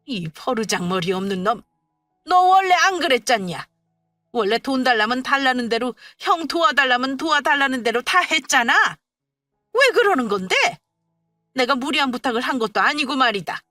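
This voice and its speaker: Woman doing a shrill, scolding older mother-in-law. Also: lively intonation, moderate pace, pushed and bright, no echo, faint music behind. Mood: indignant. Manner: scolding, guilt-tripping. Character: pushy, indignant older mother-in-law favoring her eldest son. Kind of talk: dramatized story reading.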